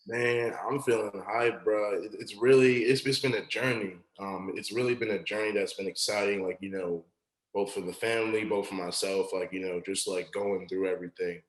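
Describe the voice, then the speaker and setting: A man's voice: fairly low pitch, normal speed. Slangy young man in a roomy space. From Long Island, New York. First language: Igbo. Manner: relaxed, slangy, many "like" fillers. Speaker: guest. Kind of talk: casual podcast conversation. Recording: roomy echo.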